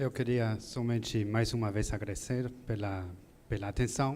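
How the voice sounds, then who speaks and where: With a German accent, a man speaks at a fairly slow pace in a medium pitch and fairly even intonation, on a very clean recording with a silent background. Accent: non-native Portuguese, German. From Germany. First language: German (speaking Portuguese). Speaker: international economist. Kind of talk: closing remarks at a seminar.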